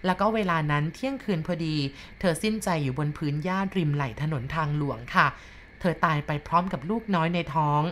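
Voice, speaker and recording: Brief: woman storyteller, low voice, polite and steady, faint hiss behind. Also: a little fast. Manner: polite, steady, adds frequent softeners. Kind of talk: ghost story narration.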